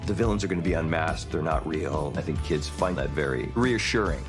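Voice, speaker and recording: A man's voice: a bass voice, a little fast. A man giving casual, explanatory interview commentary. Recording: music behind the voice.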